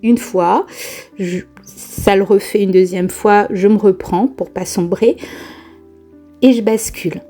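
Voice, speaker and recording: A woman vlogger telling a personal spiritual experience in a casual, lively way, often laughing and exclaiming. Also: medium pitch, slow pace, pauses often, faint music behind. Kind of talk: casual first-person storytelling.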